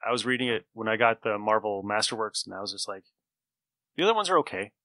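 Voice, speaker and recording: A man's voice: on the low side, animated, fast talker, sharp tone, dry recording. A man co-hosting a podcast in a playful, enthusiastic, casual chat. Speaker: podcast co-host. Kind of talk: casual chat about comic books.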